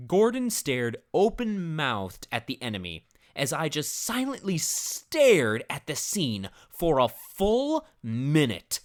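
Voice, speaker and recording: A narrator performs a dramatic reading of a comedic tale. The delivery is theatrical and grave, like a solemn storyteller, with highly animated pitch that rises and falls widely. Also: takes it slowly.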